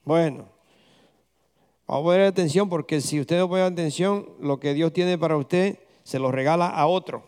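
A man's voice: a little high, moderate pace, darkish tone, clear, resonant tone. A man preaching a conversational sermon as pastor, firing rhetorical questions at the congregation and slipping English words into his talk.

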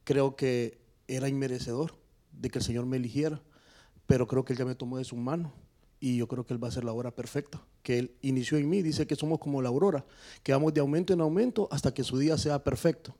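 A man's voice: medium pitch, quick pace, mellow. A man from the congregation answering the pastor with a fluent, earnest testimony full of scriptural phrasing. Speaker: church member answering the pastor. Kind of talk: spontaneous testimony in a church. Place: church service.

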